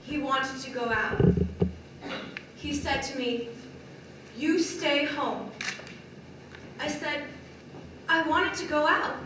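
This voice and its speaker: A woman performing a stage monologue as a battered Native American wife, wounded, in deliberate, halting short phrases. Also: high-pitched. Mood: tense, indignant. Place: large echoey room, distant microphone. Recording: very echoey hall from far off, faint noise.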